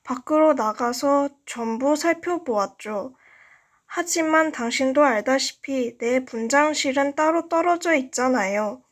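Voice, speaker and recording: A woman's voice: high-pitched, measured pace. A woman reading a novel aloud as an amateur narrator, careful in her delivery and now and then stumbling. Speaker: amateur audiobook reader.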